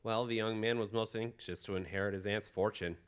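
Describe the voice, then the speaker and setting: A man playing an earnest, protective gentleman hero in an old-time radio drama style. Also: lowish voice, steady tone, fairly quick, clear, resonant tone, lightly acted. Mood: grave explaining.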